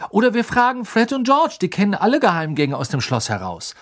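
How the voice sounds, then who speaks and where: A man voicing an impulsive teenage wizard who talks in an excitable, blunt way. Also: high-pitched, fairly quick, pitched above the performer's own voice, exaggerated voice. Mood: protesting.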